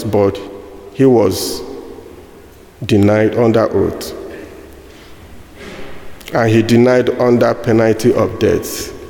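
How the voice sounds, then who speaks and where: A man with a Nigerian accent preaching a sermon, slow and halting with fillers and restarts. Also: mid-range voice, warm tone. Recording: echoey hall with long reverb.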